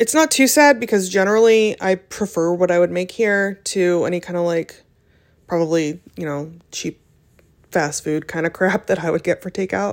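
With an American accent, a woman talks at a moderate pace. Her pitch is medium, with ordinary variation. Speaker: personal finance podcaster. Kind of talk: solo casual monologue. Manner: casual, filler-heavy.

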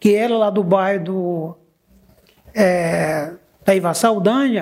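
A man's voice with ordinary pitch variation. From Maranhão, Brazil (São Luís). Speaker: samba school president and folk singer. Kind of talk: interview. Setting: studio. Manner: formal.

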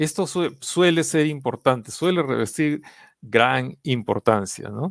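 This man talks at a very slow pace. The sound is dry and close, with no echo. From Peru, Lima. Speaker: programmer and translator, open mapping volunteer. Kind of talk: explanatory talk in an online panel.

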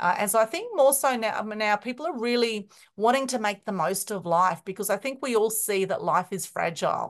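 Talking at a fairly quick pace with hardly any pauses, a woman with an Australian accent uses a fairly high voice and lively intonation. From Australia, northern beaches of Sydney. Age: 40s. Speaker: media coach and TV host. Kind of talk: podcast interview.

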